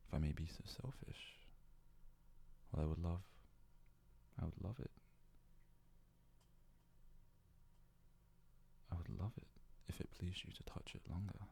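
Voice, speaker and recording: In an intimate ASMR roleplay, a man voices a devoted, self-loathing yandere fox-boy servant, sounding hesitant, deferential and adoring. His delivery is soft, breathy and gravelly, with a deep, exaggerated voice.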